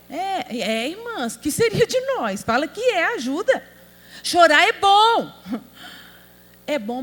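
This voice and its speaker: A woman's voice: sits high, fairly bright tone. A woman pastor from Brazil preaching a sermon, emphatic and asking the audience rhetorical questions. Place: large convention hall. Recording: hall reverb with mains hum.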